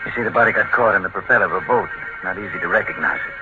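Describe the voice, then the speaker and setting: An actor playing a brisk, matter-of-fact police detective in a 1940s radio drama, on a lo-fi broadcast recording with music. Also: male voice, lowish voice, lightly acted. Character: gruff plainspoken police detective, middle-aged man.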